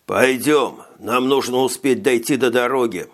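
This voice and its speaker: A jittery little alien telepath, frail and slight, speaking slowly and softly, as a male reader puts him on. His voice sits at an ordinary middle pitch, with only a light change from the narration. It is an audiobook reading. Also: close to an everyday voice. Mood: tense.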